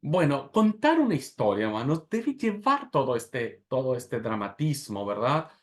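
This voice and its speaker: A man teaching a class on expository preaching, telling a story dramatically with pauses and swings in loudness, then putting questions to the class. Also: mid-range voice, big pitch swings. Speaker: preaching instructor.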